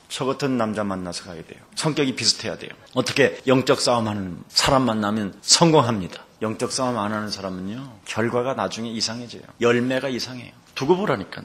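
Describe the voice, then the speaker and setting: Male pastor, middle-aged, lively sermon delivery with a high, very mobile voice. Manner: animated preaching, acts out quotes and sings snatches of hymns. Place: church sanctuary.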